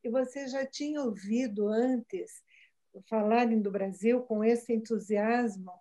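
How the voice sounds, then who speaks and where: A woman's voice: a little high, a little slow, warm tone. A woman interviewing a guest in a casual, admiring way.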